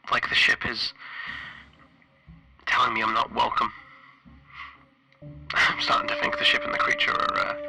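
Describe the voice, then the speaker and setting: A man playing an anxious, isolated spaceship engineer recording log entries, halting and stammering, his phrases trailing off breathily. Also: mid-range voice, vocal fry, low-quality recording. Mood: uneasy, bitter. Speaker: player of a solo tabletop horror game. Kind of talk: in-character audio log, dramatic monologue.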